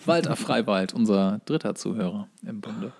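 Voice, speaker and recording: A man's voice: on the low side, expressive, moderate pace, gravelly, darkish tone. A man co-hosting a podcast, chatting casually and jokingly in a colloquial, wry way. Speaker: podcast co-host. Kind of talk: casual comedic banter.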